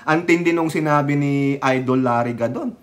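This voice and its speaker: A man's voice: a little high, normal speed. A man vlogger delivering a political commentary rant, scolding and taunting, slipping into English and pressing with repeated questions. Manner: scolding, taunting, mixes in English, keeps asking "ha?" and "di ba?".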